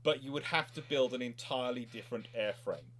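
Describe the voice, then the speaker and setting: A man hosting an informal expert chat, answering questions in a halting way with frequent restarts. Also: mid-range voice. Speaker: host of a naval history live chat.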